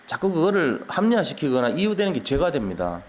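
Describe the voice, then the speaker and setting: A man's voice: on the high side, very animated, a little fast. A man pastor preaching a sermon in a church, explaining a Bible passage in a colloquial way and acting out the quoted lines.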